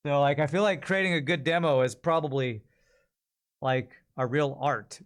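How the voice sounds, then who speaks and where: A man hosting a livestream, chatting informally and thinking aloud to his viewers. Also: fairly high pitch. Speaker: livestream host. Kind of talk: casual chat to stream viewers.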